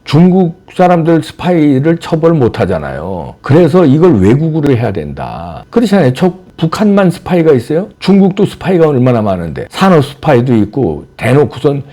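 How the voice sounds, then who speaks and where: A man's voice: fairly high pitch, huge pitch swings, normal speed, few pauses, warm tone. A man hosting a solo political commentary, combative and mocking, firing off rhetorical questions. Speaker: political commentary channel host.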